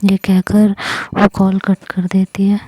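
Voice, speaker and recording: A woman narrates an audio love story in a mellow, warm voice, close to the microphone in a dry room. Between the narration she acts out both sides of heated phone quarrels herself. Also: medium pitch, completely flat delivery, slow, no room sound, poor audio.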